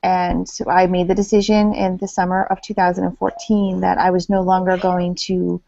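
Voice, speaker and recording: A woman's voice: lowish voice, normal speed, creaky, dry recording. Upbeat woman introducing herself. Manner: upbeat, energetic. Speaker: guest on a video hangout. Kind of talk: casual self-introduction. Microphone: video call. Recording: dull lo-fi video call audio.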